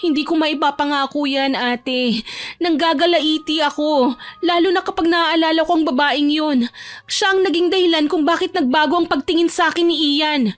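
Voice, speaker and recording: A woman performs an angry younger sister in an audio drama. Her voice is high and whiny, indignant and dramatic, bent on revenge. Music plays behind the dry recording. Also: normal speed, no room sound, close to an everyday voice. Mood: bitter, upset.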